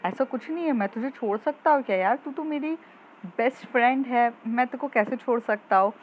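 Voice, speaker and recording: A woman voicing a teasing young male school friend in a storybook tale, loud and joking. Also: fairly high pitch, fairly quick, highs cut off, voice pushed up, close to an everyday voice.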